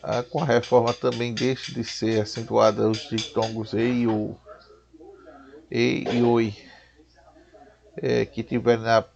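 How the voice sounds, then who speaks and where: Slow gravelly Brazilian man reading a lesson. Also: medium pitch, flat delivery, over music. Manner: slow, halting, restarts words and lists. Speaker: teacher. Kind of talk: reading a Portuguese spelling lesson. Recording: dull lo-fi recording.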